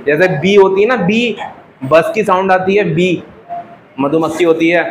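High-voiced man teaching a classroom. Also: a little slow, music in the background, rough recording. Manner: patient, joking, calls students "beta". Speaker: Russian language teacher.

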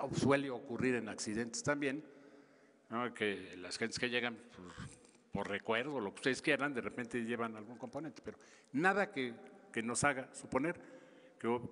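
A Mexican man in his seventies answering press questions in a halting, emphatic way, often repeating himself. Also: medium pitch, a bit bright. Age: 70s. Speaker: government official at press conference. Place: large indoor press conference hall. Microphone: podium microphones. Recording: reverberant hall, podium microphone.

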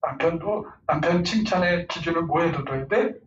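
Animated high-voiced man lecturing. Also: normal speed. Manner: animated, laughing, acts out angry outbursts. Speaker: parenting lecturer. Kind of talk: lively lecture with role-play examples. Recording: far-off roomy lo-fi lecture recording with faint noise.

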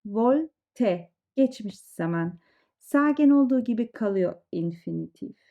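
Woman teacher, slow explanatory delivery, dull lo-fi recording. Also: mid-range voice, expressive. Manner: slow, explanatory, conversational asides. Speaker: German teacher. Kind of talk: language lesson explaining example sentences. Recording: dull lo-fi sound.

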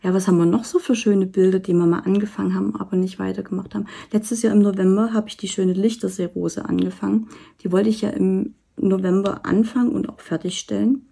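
A woman vlogger chatting casually while she does a diamond painting, rambling with many fillers and soft asides. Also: medium pitch, steady tone, brisk, creaky, slightly rough. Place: indoors at a table. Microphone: camera over the work table, hands seen.

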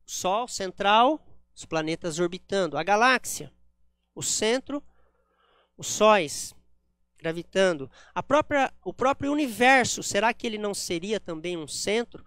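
A man's voice: high voice, expressive, unhurried, a bit bright, clear, resonant tone, dry recording. A man giving a spiritist lecture at a center, explaining ideas step by step with frequent "né?" tags. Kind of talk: public lecture with slides.

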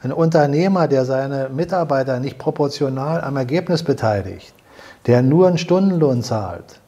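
A man's voice: mid-range voice, lively intonation, moderate pace, mellow, slightly rough. An older man hosting a salon conversation in a living room, earnestly explaining and repeating words as he searches for them. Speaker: host. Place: living room with fireplace, indoors.

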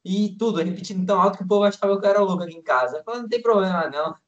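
A man's voice: high-pitched, very fast, lo-fi sound. A nineteen-year-old man, a language student, talking casually on a video call from home, easygoing and enthusiastic, a bit rambling. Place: room at home, indoors. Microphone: computer mic on a video call.

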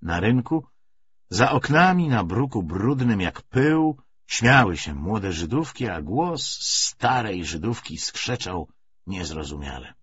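A man reading a novel aloud as an audiobook narrator, in an expressive scripted style. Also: lowish voice, takes it slowly, breathy edge. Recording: dull sound with faint noise.

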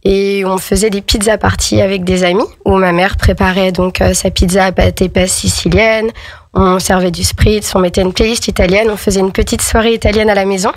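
A woman's voice: mid-range voice, little pitch movement, brisk, no room sound. Hesitant woman organizer on local radio. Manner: hesitant, many fillers. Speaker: event organizer, guest. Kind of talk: radio interview. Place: radio studio.

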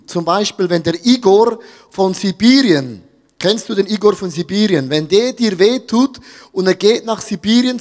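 A man's voice: high voice, darkish tone, in a large hall. A man with a Swiss German accent preaching a sermon, telling a story with jokes and asides to his audience. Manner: storytelling, jokey, talks to the audience. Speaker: pastor.

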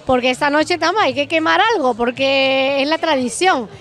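High-voiced woman interviewer outdoors. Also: normal speed, fairly bright tone. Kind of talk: event interview. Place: beach bar terrace at night, outdoors. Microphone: handheld mic. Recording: music and crowd faintly behind.

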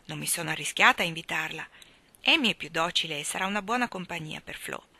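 A woman voicing a patient, gentle mother who speaks calmly and softly in a storybook reading. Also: fairly low pitch, quick pace, breathy edge, dry recording, exaggerated voice. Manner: calm, soft-spoken.

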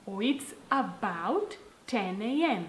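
A woman with a fairly high voice speaks her example sentences very slowly and clearly. The room around her carries a noticeable echo. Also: big pitch swings. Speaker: co-teacher. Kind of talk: giving example sentences in a lesson.

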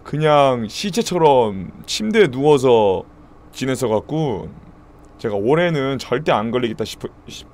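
A man streaming live with a hoarse voice, chatting casually and thanking subscribers. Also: medium pitch, sing-song, a little slow, a little mellow.

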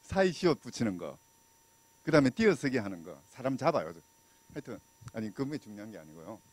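A man's voice: medium pitch, sing-song, brisk. A middle-aged man from Busan giving a public law lecture with a handheld mic, talking conversationally and putting questions to the audience. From Busan, South Korea. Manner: conversational, asks the audience questions, many fillers; gestures and walks while talking. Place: small lecture room indoors.

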